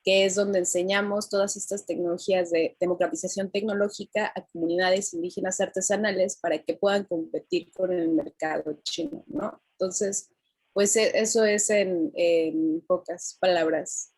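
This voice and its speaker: A woman from southern Mexico with a Mexican accent, talking easily as a panel guest. Her voice is low and a little husky, recorded close and dry with no room around it. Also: steady tone, moderate pace, darkish tone, dry recording. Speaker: panel guest, fab lab founder. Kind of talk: casual online panel chat.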